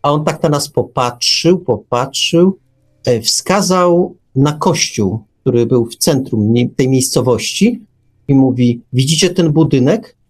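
A man's voice: mid-range voice, slow pace. A man hosting a radio talk show, speaking thoughtfully with frequent hesitations. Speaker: radio host.

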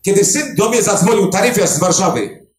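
Speaking before a live audience, a high-pitched older man who finds missing people as a clairvoyant body finder recounts a story with emphatic, animated delivery. He uses dramatic pauses, and the sound carries a roomy echo.

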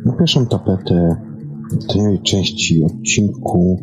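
A man hosts a science programme, reading scripted narration haltingly, stumbling and repeating words. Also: sits low. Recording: dull lo-fi sound. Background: music.

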